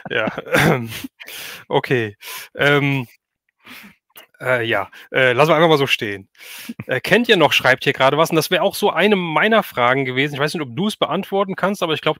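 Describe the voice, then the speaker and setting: A man's voice: fairly high pitch, normal speed, pushed and bright, no room sound, clean studio sound. A man hosting a casual livestream interview, asking questions and responding informally.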